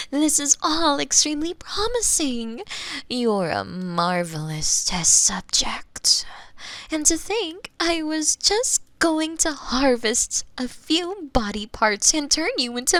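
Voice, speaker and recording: A woman's voice: sits high, sing-song, no echo, exaggerated voice. A woman playing a gleeful, coolly clinical female mad scientist in a scripted ASMR roleplay, musing with relish close to a binaural microphone. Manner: unhurried, musing, relishing, with soft breathy hums and sighs. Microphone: close binaural microphone, dry.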